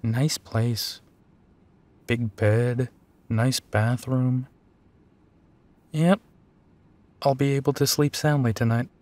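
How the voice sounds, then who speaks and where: A man's voice: medium pitch, steady tone, slow pace, pauses often, darkish tone, a little hiss or hum, close to an everyday voice. A man playing a tired, teasing werewolf detective in an intimate audio roleplay. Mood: relaxed tired.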